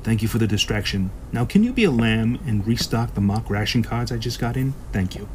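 A man's voice: lowish voice, expressive, a little fast, noisy background, lightly acted. A man acting a foul-mouthed, sly, sarcastic black-market shop boss in a science-fiction audio drama. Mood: businesslike. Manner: sarcastic, swearing.

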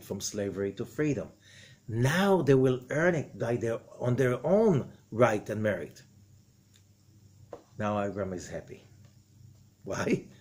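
An older man giving an animated spoken lesson as a rabbi, quoting figures dramatically. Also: mid-range voice, slightly rough. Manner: expressive, gestures broadly, quotes figures dramatically. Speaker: rabbi teaching Zohar. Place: indoor room with wood paneling.

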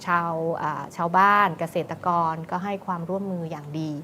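A woman from northern Thailand with a Northern Thai accent, a talk show guest who explains things in an earnest, steady way. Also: on the low side, moderate pace, a little hiss or hum. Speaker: studio guest.

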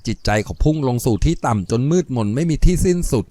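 Steady male novel reader, dry sound. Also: a little high, fast, no echo. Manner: steady storytelling. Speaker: narrator. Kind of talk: reading a novel aloud.

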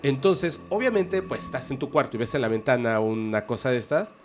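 Animated man telling a tale. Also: mid-range voice, a little fast, a little hiss or hum. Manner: animated, vivid storyteller. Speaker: podcast guest. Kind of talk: casual storytelling in a podcast.

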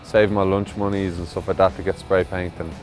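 Talking a little fast with little change in pitch, a low-voiced man from Ireland chats in an interview about his work as a visiting mural artist. He's relaxed and somewhat rambling, using fillers, and a music bed runs behind him.

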